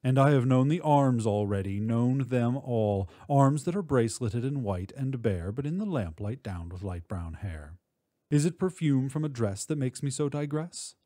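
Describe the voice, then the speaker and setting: A man giving an expressive, measured recitation of literary poetry, drawing out words for emphasis. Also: mid-range voice, no room sound, studio quality. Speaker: poetry reader.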